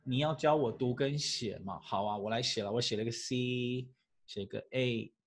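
A man, an English teacher giving a lively classroom lecture full of rhetorical questions and chuckles. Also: medium pitch, moderate pace.

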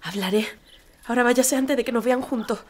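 A woman's voice: on the high side, a little fast, a little hiss or hum, close to an everyday voice. A woman playing a spirited but proper young working woman in a radio drama. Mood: guarded, spirited.

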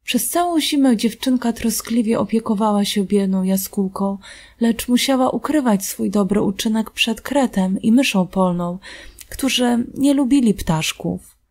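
Woman, storybook narrator, fairy tale read-aloud, calm, gentle, fairly high voice. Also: unhurried. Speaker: storybook reader.

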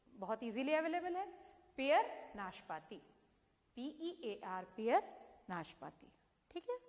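A high-voiced woman teacher with a very lively, swooping delivery. She spells words out slowly letter by letter and quizzes her pupils as she goes. Her voice rings with a long hall reverb. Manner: spells words letter by letter, asks students questions. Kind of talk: spelling out and naming fruits for students.

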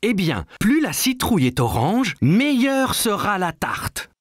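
An actor playing a calm, reassuring father in a children's cartoon, patiently explaining things. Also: mid-range voice, a little slow, no echo. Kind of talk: cartoon voice acting.

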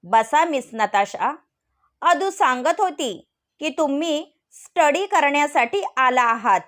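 A strict middle-aged professor, as a woman reads him speaks in a stern, deadpan manner. The voice stays high, and the delivery is slow and measured.

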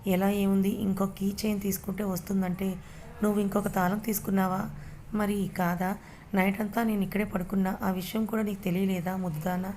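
A woman voicing a playful, teasing young man in a spoken story, with a mellow, even voice. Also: mid-range voice, brisk, a little hiss or hum, lightly acted. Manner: teasing, affectionate.

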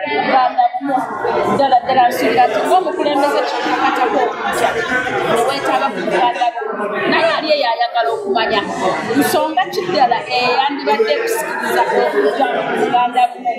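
A woman interviewer at a convention, introducing guests briskly and upbeat, mostly in Luganda. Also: sits high, fairly even intonation. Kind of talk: event reporting interview. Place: large convention hall, indoors. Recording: echoey hall with loud crowd. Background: crowd chatter.

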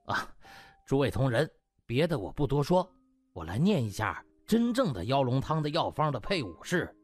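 Man acting a pompous, lively-pitched rival doctor. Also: moderate pace. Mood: smug reciting. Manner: pompous, blustering, obsequious to superiors. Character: smug, pompous, hot-tempered male doctor rival. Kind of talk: audiobook character acting. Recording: music behind the voice.

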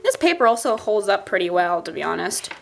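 A woman's voice: medium pitch, sing-song, fairly quick, gravelly, faint music behind. A young woman with a stuffy nose chatting casually through a sketchbook tour, rambling and joking at her own expense. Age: young adult. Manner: chatty, self-mocking, rambling asides. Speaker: art YouTuber.

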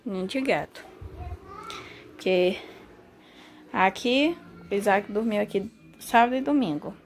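Chatty young woman with a gravelly edge. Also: medium pitch, unhurried, a little hiss or hum. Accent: Goiás Brazilian Portuguese. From Brazil. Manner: chatty, walking through rooms while tidying. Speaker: vlogger. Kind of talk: casual home vlog, talking to camera. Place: small tiled house, indoors. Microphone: handheld phone at arm's length.

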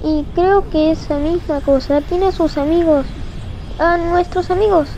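A cute little fox boy from a video game fan dub, earnest and childlike, as a woman plays him. The voice is extremely high yet mellow, over faint background noise. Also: steady tone, unhurried, highs cut off. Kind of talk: Latin American fandub of game cutscenes.

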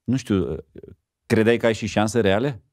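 A man's voice: on the low side, darkish tone, no echo, studio quality. A man hosting a podcast interview, chiming in with affirmations and sharing his own memories. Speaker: podcast host.

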